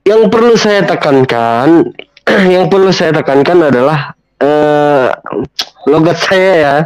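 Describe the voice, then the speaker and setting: A man from Sabah in Malaysia, chatting as a guest in an easygoing, halting way. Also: on the high side, lively intonation, rough recording. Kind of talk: casual video call chat.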